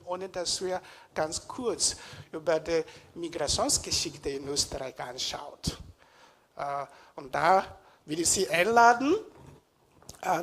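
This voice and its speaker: A man's voice: on the high side, a bit bright, a little hiss or hum. Hesitant man giving a lecture. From Nigeria. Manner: frequent hesitations, searching for words. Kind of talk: public lecture. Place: lecture room.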